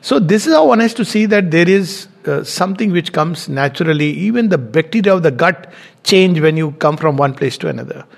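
A middle-aged man speaks in a measured, explanatory way. His voice sits a little high for a man. He talks like a teacher giving a spiritual lecture and slows down when he reads passages aloud. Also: expressive, creaky. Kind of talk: reflective lecture with read-out quotes and commentary.

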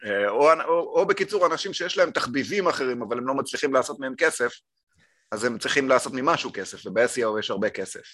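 A man's voice: medium pitch, lively intonation, a bit bright. A man in his forties with an Israeli accent, explaining things casually as a podcast guest, with frequent hesitations. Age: 40s. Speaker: podcast guest, marketing consultant.

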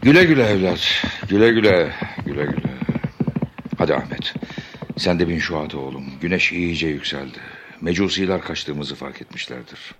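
An actor playing a pious older father who has escaped from prison, speaking calmly and fatherly. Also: deep voice, normal speed, noisy background.

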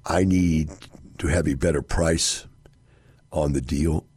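A hoarse man hosting a radio show on investing, talking casually and rambling with many fillers and restarts. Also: extremely low pitch, steady tone, slow pace, darkish tone, no echo. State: hoarse, scratchy voice.

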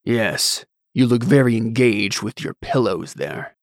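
A man voicing a large, stern male war god in an audiobook, with a gruff, disapproving manner. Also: mid-range voice, fairly even intonation, moderate pace, dry recording, clean studio sound, lightly acted. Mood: sardonic. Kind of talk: audiobook character acting.

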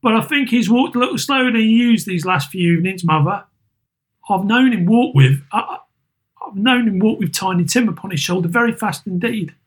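A man voicing a quiet, earnest teenage boy in a raised pitch. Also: expressive, fairly quick.

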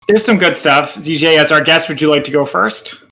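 A man's voice: fairly high pitch, brisk, pushed and bright. A man hosting a podcast in casual chat, playful and self-mocking as he moves through the segments. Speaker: podcast host.

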